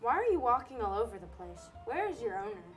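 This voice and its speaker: A snooty, self-important lady in a children's puppet show, played by a woman. She is haughty and bossy, her voice a little high. Faint music sits behind. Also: sing-song, fast.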